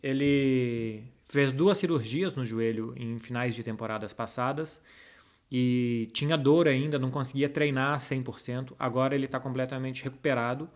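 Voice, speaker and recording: A man's voice: medium pitch, normal speed. A man with a Brazilian Portuguese accent talking informally and directly to his audience as the host of a football chat. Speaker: host answering viewers' football questions. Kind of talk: casual chat to followers, football analysis.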